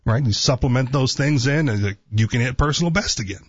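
A man's voice: medium pitch, a little fast, husky, no echo, highs cut off. A man co-hosting a talk radio show, talking casually, teasing, and checking in with "right?". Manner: conversational, teasing, asks "right?" a lot.

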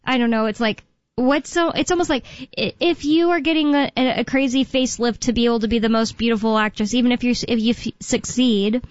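A woman's voice: fairly high pitch, fairly quick, no room sound, muffled recording. A woman in her late twenties hosting a talk radio show, chatting casually and often restarting her sentences. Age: 20s.

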